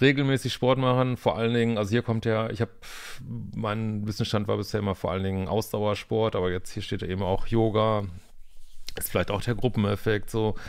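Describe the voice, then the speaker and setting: In front of a quiet background, a man talks at a fairly quick pace. His pitch is fairly low, with fairly even intonation. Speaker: vlogger. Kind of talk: casual vlog chat. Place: home room. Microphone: webcam.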